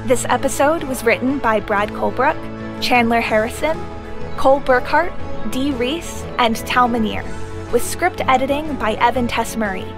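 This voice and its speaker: A woman reading the episode credits in an even, plain read. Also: a little high, moderate pace. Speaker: credits announcer. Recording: music playing under the voice.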